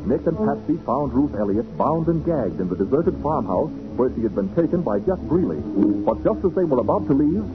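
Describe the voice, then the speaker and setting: Animated 1940s radio announcer, male. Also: medium pitch, a little fast, phone-quality sound. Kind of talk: dramatic scripted 1940s radio narration. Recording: thin old radio, loud music behind.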